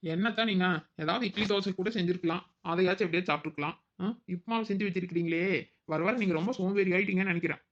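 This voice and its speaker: A woman's voice: lowish voice, rapid-fire, lo-fi sound, natural voice. A woman voicing a cheeky young daughter-in-law in a cartoon, who whines and talks back. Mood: whining. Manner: whiny and cheeky. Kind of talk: cartoon voice acting.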